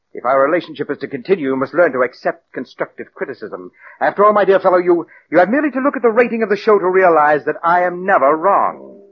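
An actor playing a pompous, condescending male radio producer who speaks slowly and deliberately, in 1940s radio acting style. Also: a little high, slightly rough. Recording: muffled old radio broadcast.

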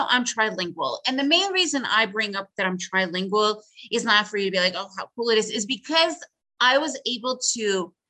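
A woman's voice: medium pitch, bright, forceful tone, rough recording. A woman whose first language is Russian, giving a chatty, upbeat live presentation on trading and talking to her viewers by name. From Soviet Union.

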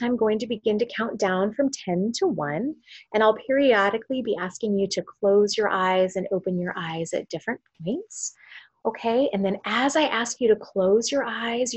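A woman leads a hypnotherapy induction at a very unhurried pace. Her mid-pitched voice is soothing and lulling, with drawn-out phrases that soften into a near whisper as they end. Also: breathy edge, dry recording. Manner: slow, drawn-out, lulling delivery with pauses. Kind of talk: guided hypnotherapy relaxation induction.

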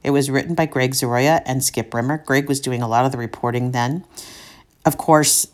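A middle-aged woman with a very deep voice talks through her own podcast in a candid, reflective way. She speaks conversationally, as if chatting from home. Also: steady tone, moderate pace. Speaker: podcast host. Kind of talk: personal podcast monologue. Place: home in Sacramento.

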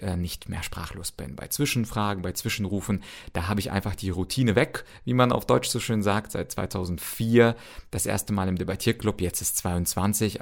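A man's voice: sits low, creaky. A man in his thirties from Ukraine hosting a podcast, answering listener questions in an articulate, conversational and self-assured way. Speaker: podcast host and rhetoric trainer.

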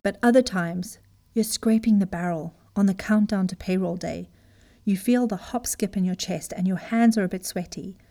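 Woman, from Zimbabwe, business coach, mellow voice, emphatic, motivational talk. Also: mid-range voice, moderate pace. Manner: earnest, emphatic, direct address.

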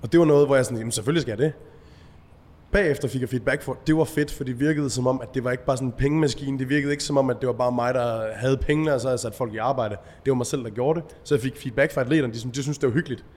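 A man telling stories in a casual podcast chat, animated and acting out shouted quotes. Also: medium pitch, in a large hall. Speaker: event organizer.

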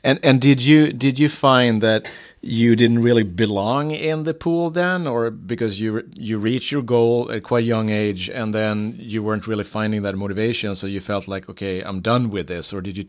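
A man's voice: on the low side, normal speed. A man with a Swedish accent who speaks Swedish natively, hosting an interview podcast and asking plain questions with some fillers. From Sweden. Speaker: podcast host.

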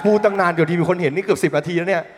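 A young man doing stand-up, telling an animated, profane story full of sound effects. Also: high voice, very fast, a crowd in the background, noisy background. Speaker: comedian. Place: studio stage. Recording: long reverb in a studio hall.

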